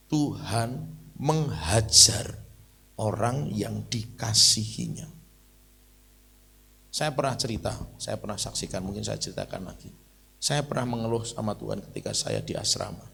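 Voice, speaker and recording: Gravelly-voiced male preacher. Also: on the low side. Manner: conversational storytelling, rising to emphatic declaiming. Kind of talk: sermon.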